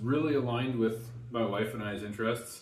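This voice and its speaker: A man with a Wisconsin accent sounds somewhat breathy, with ordinary pitch variation. Audible room echo hangs around his voice. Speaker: home cook. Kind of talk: self-introduction. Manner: halting.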